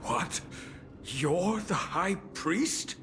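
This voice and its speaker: Devout tribal priest, sweeping pitch. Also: male voice, animated, very slow, gravelly, noisy background, full character voice. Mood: shocked, contrite. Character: devout, proud tribal priest, humbled and reverent. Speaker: voice actor in a video game. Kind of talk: dramatic game voice acting. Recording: music behind the voice.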